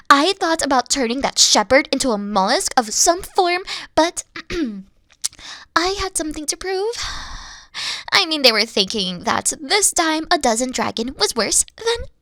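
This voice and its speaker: A woman playing a dorky, boastful evil queen in a comedic, intimate roleplay monologue, theatrical and petulant but awkward and secretly soft. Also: sits high, sing-song, unhurried, no room sound, full character voice. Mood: indignant. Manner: theatrical boasting that slips into awkward, flustered stammering.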